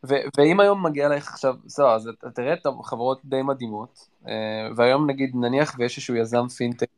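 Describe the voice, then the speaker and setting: Israeli man, halting casual interviewer. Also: mid-range voice. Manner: informal, halting as he builds questions. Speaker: interviewer, host.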